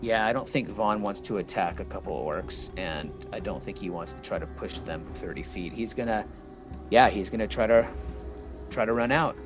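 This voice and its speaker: A man's voice: lowish voice, normal speed, over music. A man playing a tabletop game, talking hesitantly with lots of fillers as he describes his character. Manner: hesitant, many fillers and restarts. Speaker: player. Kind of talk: tabletop role-play chat.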